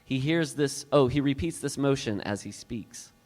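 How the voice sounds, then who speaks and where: A man with a middle-pitched voice reads out stage directions like a narrator. He also chats casually and comically as the writer of the piece. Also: moderate pace, a little mellow. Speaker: writer of the monologue, actor.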